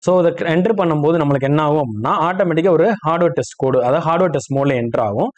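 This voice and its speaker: Man, higher-pitched voice, rapid delivery, technical instructor, explanatory tutorial style. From India. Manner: explanatory, checks understanding with short questions. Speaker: phone repair instructor. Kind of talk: spoken tutorial, step-by-step explanation.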